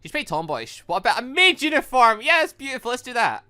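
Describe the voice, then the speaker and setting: A man hosting a gaming video, thinking aloud and reading game dialogue in an excitable, animated way. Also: extremely high pitch, fast talker, smooth. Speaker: gaming channel host.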